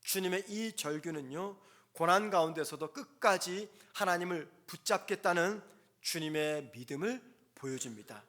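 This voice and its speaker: A male pastor preaching a sermon at a dawn prayer service in a church, earnest and emphatic, with pauses between short phrases. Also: sits high, expressive, a bit bright.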